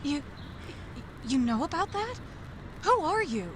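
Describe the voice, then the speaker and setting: A woman's voice: high-pitched, very animated, slow, full character voice. A woman playing a frightened, breathless young woman pleading desperately in a 1940s-style noir radio drama. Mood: panicked pleading. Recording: clearly noisy recording.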